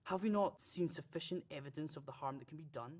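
An actor playing a prim, moralising eighteenth-century newspaper writer, formal and measured, in a radio play. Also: male voice, a little high, close to an everyday voice. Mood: solemn, disapproving. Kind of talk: radio play, reading out a report.

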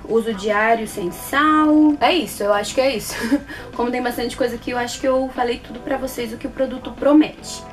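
A woman in her twenties with a Brazilian accent, chatting casually to camera as a beauty vlogger, expressive and repeating words for emphasis. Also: on the high side, fairly quick, faint music behind. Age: 20s. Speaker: beauty vlogger reviewing products. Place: small plain indoor room.

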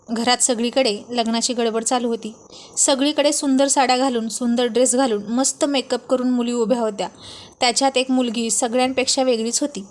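A woman telling a first-person story in an emotive, confiding way. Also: fairly high pitch. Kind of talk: narrated moral story.

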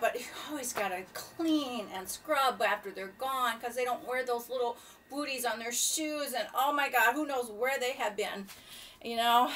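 A woman's voice: on the high side, a bit bright. An older woman chatting to camera in her home kitchen, rambling and complaining. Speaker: vlogger. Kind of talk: casual chat to camera. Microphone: laptop webcam from a few feet away. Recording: distant laptop mic, faint room noise.

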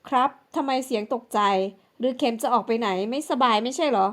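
A woman voicing a calm, composed rich man. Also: on the high side, fairly quick, lightly acted. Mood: calm, concerned. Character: rich composed young male tycoon, caring.

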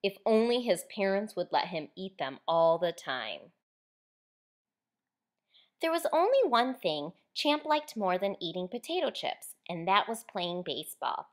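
A woman author reading a children's story aloud in an expressive, clearly enunciated storytelling style. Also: medium pitch, a little slow. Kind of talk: expressive children's picture book read-aloud.

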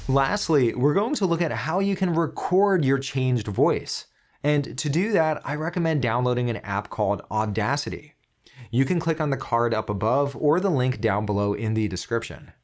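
A man in his thirties presents a step-by-step tutorial with a medium-pitched voice. He addresses the viewer directly and explains each action in an instructional way, close on the microphone. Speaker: tutorial host.

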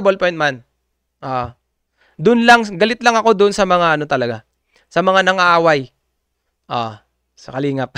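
A man's voice: on the high side, a bit bright, smooth, no room sound, clean studio sound. A man speaking casually and politely to viewers, rambling with many hesitations and fillers, often laughing. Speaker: community group member addressing viewers. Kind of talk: casual unscripted monologue.

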